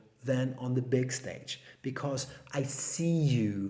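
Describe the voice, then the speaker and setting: A man speaks in an animated tone, with audible room echo. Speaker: public speaking coach. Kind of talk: online talk to camera.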